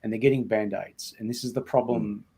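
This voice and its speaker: An Australian man explaining his points in a measured way during a podcast debate, often checking in with "right?". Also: on the low side, steady tone, a crowd in the background. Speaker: debate guest.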